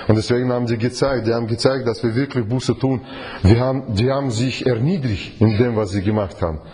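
A man's voice: medium pitch, mellow. A man gives an informal sermon to a Bible study group, often restarting and asking rhetorical questions. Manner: halting, many restarts and fillers, asks rhetorical questions. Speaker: preacher leading a Bible study.

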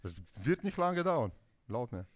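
Lively preacher man. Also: medium pitch, a little slow. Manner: animated, acts out quarrels in dialogue, non-native German phrasing. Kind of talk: sermon on marriage.

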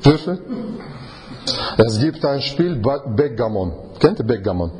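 A man's voice: medium pitch, measured pace, crowd noise. A man preaching in conversational, non-native German, quizzing his listeners and acting out the scenes he explains. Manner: animated, quizzes the audience, acts out scenes. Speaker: Bible teacher. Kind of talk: conversational Bible study sermon.

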